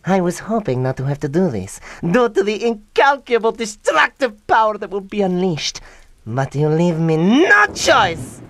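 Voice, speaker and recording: A woman's voice: mid-range voice, sing-song, normal speed. A woman playing a petulant, grandiose young mad scientist in a comic radio drama, melodramatic and sulky. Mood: menacing, grandiose.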